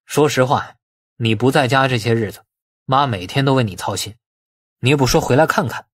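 A man voicing a shrewd, self-possessed young man in an audiobook, measured and dryly sardonic. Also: medium pitch, breathy edge, no echo, studio quality, natural voice. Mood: conciliatory.

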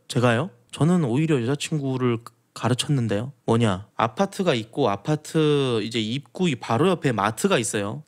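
Animated young man riffing casually. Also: mid-range voice. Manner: animated, acts out dialogue in shifting voices. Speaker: streamer. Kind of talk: casual commentary on news and stories.

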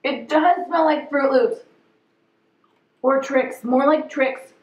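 A woman's voice: sits high, slow. A woman hosting a taste test, talking with her mouth full of cookie, blunt and opinionated in a casual chat. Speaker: host of a food taste-test channel. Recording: echoey room, dull lo-fi sound.

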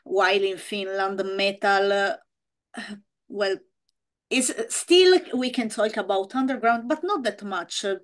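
A woman's voice: mid-range voice, measured pace. An Italian woman in her thirties hosting an interview by video call from a small room at home, chatty and full of fillers in English. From Italy. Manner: chatty, hesitant with many fillers; animated hand gestures. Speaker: interview host. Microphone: video call webcam.

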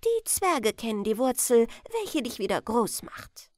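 A woman's voice: on the high side, big pitch swings, unhurried, darkish tone, dry recording, clean studio sound. A woman voicing a caring little white mouse guide in an earnest fairy-tale manner. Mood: helpful.

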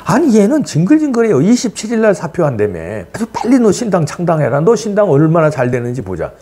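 A man's voice: wildly swooping pitch, fast talker, a little hiss or hum. A middle-aged man, a political commentator, ranting angrily and scornfully, scolding and mocking with sudden drops and jumps in his voice. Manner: scolding, mocking, shouts insults and swings wildly up and down in pitch. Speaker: political commentator, channel host. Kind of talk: angry political rant to camera.

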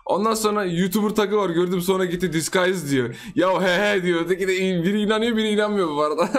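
High-voiced playful young man gaming. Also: fast, faint music behind. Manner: playful, chatty, repeats phrases and laughs often. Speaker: gaming YouTuber. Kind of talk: casual gameplay commentary.

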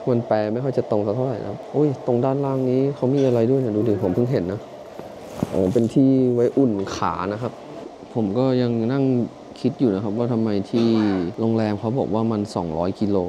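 A Thai man talking casually to camera in a travel vlog, chatty and quick to exclaim and laugh, filmed in a small noodle shop and on a road through the mountains. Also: medium pitch, noisy background. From Thailand. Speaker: travel vlogger.

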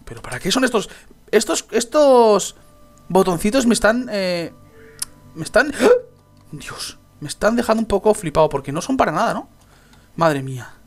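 A young man giving excitable gameplay commentary, yelping and laughing when he falls. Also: high voice, normal speed, long pauses, soft background music. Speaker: Minecraft let's player.

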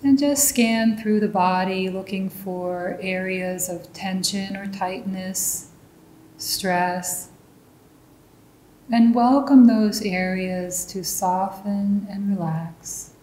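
A woman leading a guided meditation as a teacher, giving calm, gentle instructions. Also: takes it slowly. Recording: roomy echo, faint low rumbling noise.

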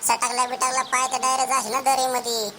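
A woman playing a sharp-tongued, scolding village grandmother in a comedy cartoon. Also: high voice, little pitch movement, fast, slight background noise. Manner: scolding, insulting, rustic. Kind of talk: Marathi comedy cartoon dialogue.

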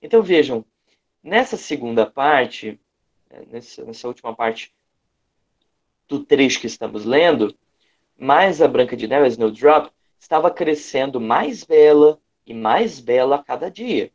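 Brazilian guy teacher going really slow thru a story, explains and repeats stuff, kinda muffled online class audio. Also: mid-range voice, expressive. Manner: didactic, repeats phrases for emphasis. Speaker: English teacher. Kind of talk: online lesson, reading aloud and explaining a fairy tale. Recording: dull, lo-fi online call audio.

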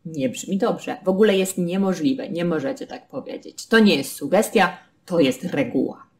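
A woman's voice: lowish voice, lively intonation, moderate pace, a little mellow. A woman teaching a language lesson, patiently explaining grammar rules with spoken example sentences.

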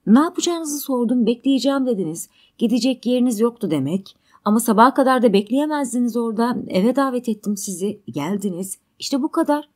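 A woman voicing a calm, middle-aged man at home who explains things in a measured, mildly sardonic way. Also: on the high side, pitched above the performer's own voice. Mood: reasoning, calm.

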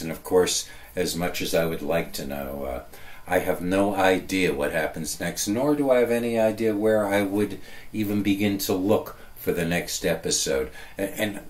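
A deep-voiced man hosts a solo podcast at a very slow pace. He is casual and hesitant, rambling off into digressions as he goes. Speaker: podcast host.

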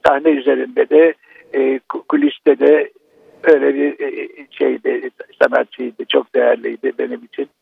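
A man calling in to a radio show over a phone line, speaking haltingly with many restarts as he grieves. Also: medium pitch, level tone, vocal fry, husky, no echo. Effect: radio show caller on a phone line. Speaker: actor phoning in to a broadcast.

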